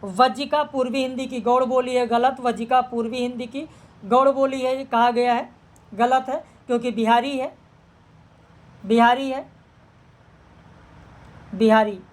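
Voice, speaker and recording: High pitched lady teacher going over quiz answers, pretty monotone, brisk. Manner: brisk, steady, matter-of-fact answer checking. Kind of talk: exam practice lesson, reading out questions and answers.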